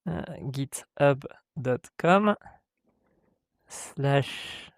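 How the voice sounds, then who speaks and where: This unhurried male host of a screen-recorded tech tutorial has a gravelly, mid-range, animated voice, captured dry with no echo. He sounds hesitant, fills gaps with lots of "euh," and reads out codes step by step while voicing the software in playful mock dialogue.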